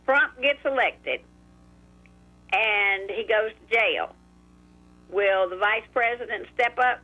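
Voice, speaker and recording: A woman's voice: medium pitch, takes it slowly, faint music behind. A woman in her eighties calling in to a talk radio show, chatty and affectionate, often repeating words. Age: 80s. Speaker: caller. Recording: phone line.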